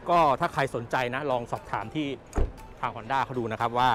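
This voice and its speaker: Touring a car at a crowded indoor expo hall, this presenter talks in a chatty way with a medium-pitched, fairly bright voice at a moderate pace. He tends to repeat himself and closes phrases with polite particles. Soft music plays behind him, and the sound comes from a handheld camera mic while he stays off screen.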